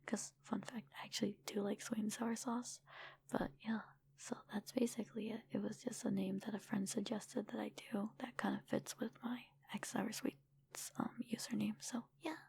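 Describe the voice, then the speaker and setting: A woman chatting casually in a soft, breathy ASMR whisper, informal and rambling, close to the microphone. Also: mid-range voice, steady tone, moderate pace, slight background noise. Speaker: ASMR creator and streamer answering viewer comments.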